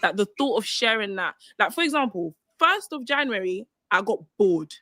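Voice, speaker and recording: A woman's voice: mid-range voice, big pitch swings, moderate pace, pushed and bright, no room sound, studio quality. A woman in casual chat, talking in a sassy, dismissive way.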